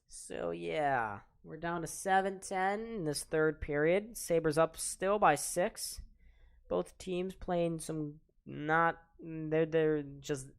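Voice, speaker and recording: Soft-voiced teen man calling hockey. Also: a little high, vocal fry, clean tone. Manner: chatty, reads chat aloud and talks to viewers between plays. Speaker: play-by-play commentator and stream host. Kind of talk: live-stream hockey play-by-play, casual.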